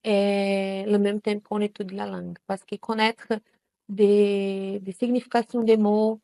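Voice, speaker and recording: A Brazilian woman, a native Portuguese speaker, gives a hesitant testimonial in French, with many pauses and fillers. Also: mid-range voice, flat delivery, creaky, warm tone, dry recording. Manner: hesitant, many fillers and restarts in a second language. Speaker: student giving a testimonial. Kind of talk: spontaneous testimonial.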